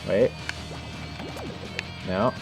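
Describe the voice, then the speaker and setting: A man giving casual, improvised commentary as he demonstrates techniques in a video game, thinking aloud in an informal way. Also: very slow. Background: music.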